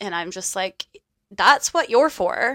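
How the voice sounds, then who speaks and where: Vocal fry runs through this woman's bright, sharp tone, and her pitch varies in an ordinary way. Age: 20s. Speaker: podcast co-host. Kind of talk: casual chat. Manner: animated.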